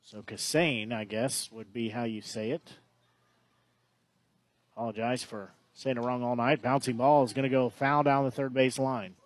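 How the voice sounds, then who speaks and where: A man's voice: medium pitch, fairly even intonation, normal speed, no room sound. A man calling a baseball game play by play, chatty and often correcting himself. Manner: conversational, self-correcting. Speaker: play-by-play announcer. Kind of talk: baseball commentary.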